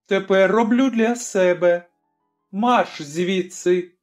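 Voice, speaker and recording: A narrator voicing a rough young village man who threatens and mocks slowly, in an audiobook. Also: medium pitch, a little mellow, soft background music, natural voice. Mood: threatening. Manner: slow, taunting, threatening. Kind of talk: audiobook character voice.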